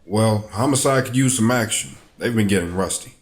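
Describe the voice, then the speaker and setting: Man acting a low-voiced, gruff, stubborn cop. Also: normal speed, close to an everyday voice. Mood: weary, wry. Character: stubborn, frustrated male police officer, protective of troubled kids. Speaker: police detective. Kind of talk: dramatic dialogue in an audio drama.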